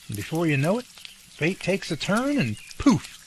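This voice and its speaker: A man's voice: high voice, huge pitch swings, unhurried, heavily acted. Wry, doubtful sidekick played by a man, noisy recording. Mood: downcast. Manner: wry, sceptical. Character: doubtful, sarcastic male research sidekick, easily discouraged.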